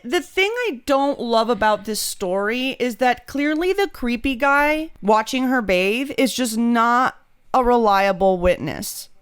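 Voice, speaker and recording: A woman's voice: a little high, expressive, a little slow, clean tone. A woman co-hosting a podcast, telling stories and commenting casually in a wry, blunt, irreverent way. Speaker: podcast co-host. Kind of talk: casual comedic storytelling chat.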